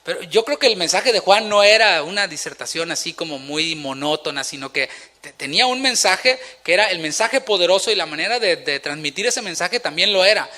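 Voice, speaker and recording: A man's voice: sits high, lively intonation, a little fast, pushed and bright. A man preaching a sermon as pastor in a church, asking rhetorical questions and acting out the quotes he tells.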